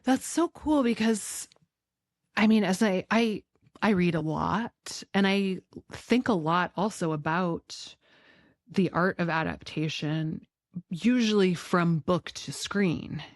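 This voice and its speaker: A woman's voice: lowish voice, takes it slowly, no echo, clean studio sound. A woman hosting a podcast in a casual, conversational interview style, peppering her talk with "like". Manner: conversational, frequent "like". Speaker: podcast host.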